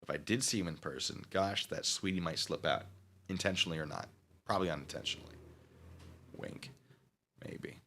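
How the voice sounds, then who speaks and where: A man's voice: deep voice, fast, a bit bright, slight background noise. A man live streaming, rambling casually with mock-petty sarcasm while reading chat.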